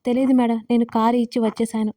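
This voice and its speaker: A woman's voice: fairly high pitch, little pitch movement, fast talker, mellow, lightly acted. A woman voicing a humble, polite male driver in an audio story, speaking deferentially.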